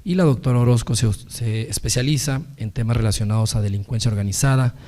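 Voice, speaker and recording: Male moderator. Hoarse and sepulchral from illness, mellow dark tone, formal and halting. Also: fairly low pitch. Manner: halting, frequent hesitations and repeated words. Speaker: moderator of a book presentation. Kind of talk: formal academic introduction, partly read out.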